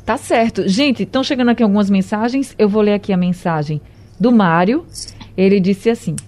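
A woman with a mid-range voice hosts a radio call-in program. She speaks to listeners and guests in a friendly, measured tone and steers the conversation. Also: mid-range voice, a little mellow. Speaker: radio host.

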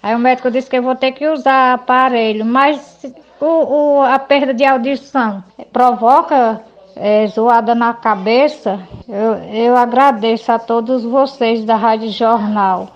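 A woman from the Pernambuco backcountry with a Sertão accent, describing her symptoms in a halting voice message. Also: on the high side, steady tone, highs cut off. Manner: halting, hesitant. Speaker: listener sending a voice message. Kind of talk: recorded voice message.

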